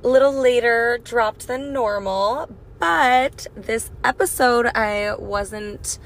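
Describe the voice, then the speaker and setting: A raspy young woman hosting a casual solo podcast, chatty and swearing freely, recorded on a phone mic in her car. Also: fairly high pitch, slow pace. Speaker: podcast host. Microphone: phone microphone.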